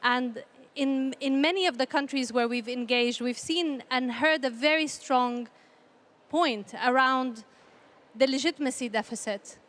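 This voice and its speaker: Woman, really high voice, giving formal panel remarks, earnest and measured, repeats phrases to make her point. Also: a bit bright. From Palestinian, grew up in a conflict country. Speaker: panel speaker, peace initiative representative.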